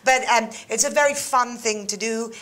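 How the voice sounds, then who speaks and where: Bright, lively woman interview guest. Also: a little high, normal speed. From England and Greece. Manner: animated, laughs often, many fillers. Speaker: interview guest, mentoring manager. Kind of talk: casual chat.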